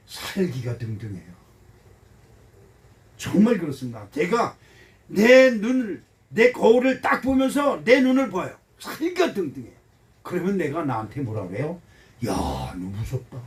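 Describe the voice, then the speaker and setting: A man in his seventies, a pastor giving a folksy, animated sermon and asking his congregation questions. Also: high-pitched. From Korea. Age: 70s. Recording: voice heard from some distance.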